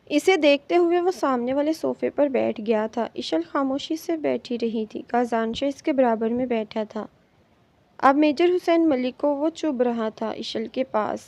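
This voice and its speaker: A woman reading a romance novel aloud in steady audiobook narration. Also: sits high, no echo. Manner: steady storytelling. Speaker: novel reader. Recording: dull lo-fi recording.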